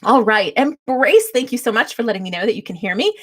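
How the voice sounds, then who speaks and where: A woman hosting a casual livestream, chatty and informal as she shares advice and quick to laugh. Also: on the high side, expressive, a bit bright, breathy edge. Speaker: livestream host.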